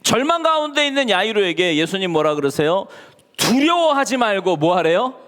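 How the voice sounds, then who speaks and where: A man's voice: high-pitched, moderate pace. A male pastor preaching a sermon in a church, talking to the congregation and acting out the people he quotes. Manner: animated, acts out quoted voices. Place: church sanctuary. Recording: church hall reverb.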